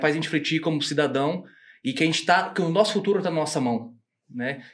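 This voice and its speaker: With an unremarkable speaking voice, a man talks at a fairly high pitch with ordinary pitch variation. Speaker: podcast co-host. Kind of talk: casual chat. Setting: studio.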